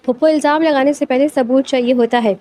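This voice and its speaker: A woman's voice: sits high, fairly even intonation, dark tone, lightly acted. A woman voicing a stern, protective young man. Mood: cold. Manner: curt, commanding lines.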